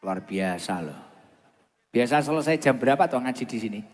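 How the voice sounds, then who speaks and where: A man's voice: expressive, moderate pace, a little hiss or hum. A man with a Javanese accent preaching informally over a PA at a large gathering, chatting and bantering with the crowd as he repeats phrases. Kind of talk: informal sermon with asides to the crowd. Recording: long booming reverb of an outdoor PA.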